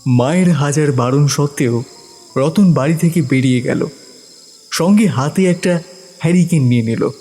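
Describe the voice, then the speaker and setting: A man's voice: on the high side, normal speed, long pauses, warm tone. Male horror story narrator over music. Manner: dramatic storyteller. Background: music with crickets.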